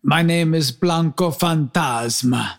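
A man voicing a brooding, melodramatic Italian man with a heavy over-the-top accent and dramatic pauses. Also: fairly high pitch, creaky. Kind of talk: tabletop roleplay in character.

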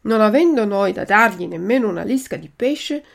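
A woman voicing a sly male fox swindler who speaks in a flattering, theatrical way. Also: mid-range voice, normal speed, gravelly. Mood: wheedling. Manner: ingratiating, theatrical.

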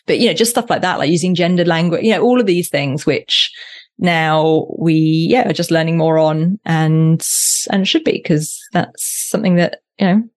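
A woman with a notably low-pitched voice talks as a guest on a workplace learning podcast. She is reflective and thinks aloud, circling back and restarting her sentences in relaxed conversation. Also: moderate pace. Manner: reflective, with frequent restarts and fillers.

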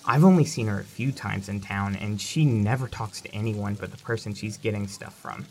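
An actress playing an eager, starstruck young bookish fan in an audio drama, earnest and chatty, with sizzling behind. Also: female voice, rumbling low, moderate pace, dark tone, slight background noise. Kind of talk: naturalistic audio drama acting.

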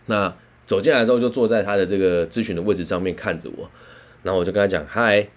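A man, a career counselor telling a story in an animated, conversational way. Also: deep voice, quick pace. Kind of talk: storytelling talk.

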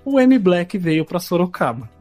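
A man telling a long story in a casual podcast chat, rambling and halting, full of filler phrases. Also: sits high, big pitch swings, a little mellow, soft background music.

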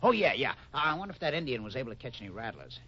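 Fussy city newsman schemer: stammering, sharp, animated, high-ish voice on dull vintage radio. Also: very fast, slightly rough, full character voice. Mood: scheming. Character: fast-talking, scheming, jittery city press photographer. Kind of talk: 1950s radio Western acting. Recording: dull lo-fi old radio recording.

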